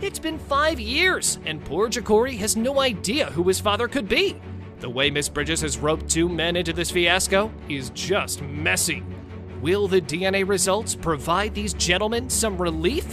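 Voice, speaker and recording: A man's voice: sits high, animated, normal speed. A man reading dramatic scripted narration as a recap narrator. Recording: music bed under the voice.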